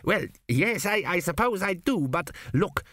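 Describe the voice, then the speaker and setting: A man voicing an old, anxious ghost king, high and thin, pleading and slipping into whispers. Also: animated, unhurried, a bit bright, dry recording, clean studio sound. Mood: fretful. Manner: pleading, breaking into whispers and screams.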